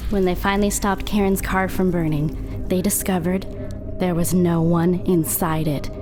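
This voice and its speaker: Woman as a low-pitched, wry young storyteller. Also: steady tone, music in the background, close to an everyday voice. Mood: wry, ominous. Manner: wry, measured, knowing. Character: wry young small-town female storyteller. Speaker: narrator. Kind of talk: scripted horror drama narration.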